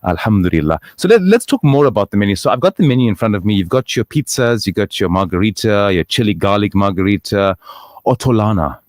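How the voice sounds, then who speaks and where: A man hosts a radio interview, talking quickly with an upbeat, chatty manner. His voice sits fairly low, and the studio sound is dry and close. He banters easily and reads out listener messages. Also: lively intonation, no echo. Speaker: radio show host. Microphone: studio microphone.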